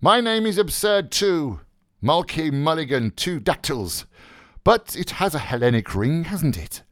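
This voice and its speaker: A man's voice: on the high side, big pitch swings, measured pace, no room sound, clean studio sound, voice pushed up. A man voicing an exuberant, mocking young joker who declaims with mock solemnity in a dramatised novel reading. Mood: gleeful.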